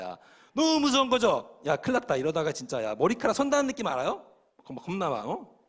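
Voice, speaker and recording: A middle-aged male pastor telling a story in his sermon to young adults, acting out the dialogue as he goes. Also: mid-range voice. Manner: lively, animated storytelling with acted-out dialogue.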